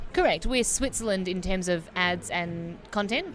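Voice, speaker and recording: A woman with an Australian accent, music playing in the background. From Australia, Melbourne. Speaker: company representative. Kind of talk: sponsor interview.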